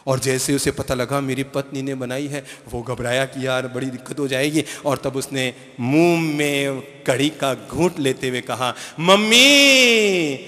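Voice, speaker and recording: A man's voice: medium pitch, fairly even intonation, normal speed, hardly any pauses, big-room sound. A male spiritual teacher giving a sermon, emphatic and repeating key phrases, often asking his audience questions.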